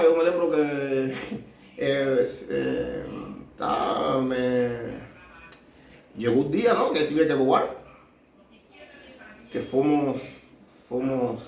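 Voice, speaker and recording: A man with a Cuban Spanish accent telling his story as a doctor, halting often and mixing Spanish with Portuguese. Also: mid-range voice, darkish tone. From Cuba. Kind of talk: casual storytelling. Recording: echoey room, mic at a distance.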